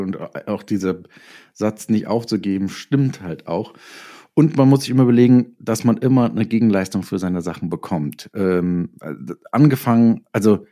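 A man's voice: on the low side, warm tone. A man recounting anecdotes in a conversational interview, often acting out bits of dialogue. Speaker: interview guest, writer and audio drama producer.

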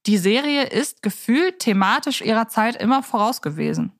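A woman's voice: a little high, big pitch swings, moderate pace. A woman hosting a conversational podcast, explaining things analytically and at length. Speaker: podcast host.

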